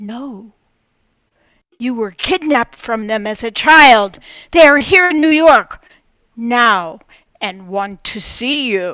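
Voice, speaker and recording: A female-sounding put-on character voice, fairly high in pitch, moves at a fairly slow pace. Long, frequent pauses break up a very clean recording with a silent background. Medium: audio drama. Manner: smooth, insinuating.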